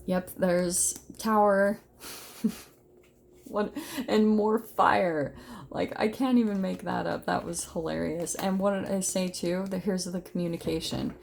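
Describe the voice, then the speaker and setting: A woman's voice: lowish voice, steady tone, a little slow, vocal fry, a little hiss or hum. A woman giving a casual, unscripted tarot reading, talking informally and directly to her viewers with emphatic, conversational phrasing. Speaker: tarot reader, host of an online reading.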